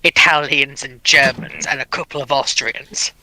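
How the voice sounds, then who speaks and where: A man's voice: medium pitch, fairly even intonation, normal speed, sharp tone, rough recording. A man joining a live stream chat, setting out his points firmly.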